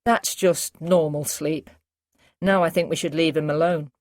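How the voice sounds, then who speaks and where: A woman voicing a calm, cautious male doctor in an audiobook, speaking in a measured way. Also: sits low, no room sound, studio quality. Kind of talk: audiobook character reading.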